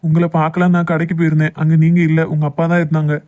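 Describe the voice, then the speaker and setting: A man's voice: fairly high pitch, monotone, racing, darkish tone, natural voice. A man playing a hurt, jealous young lover in a cartoon love drama, with a southern Tamil Nadu accent. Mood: hurt, sarcastic.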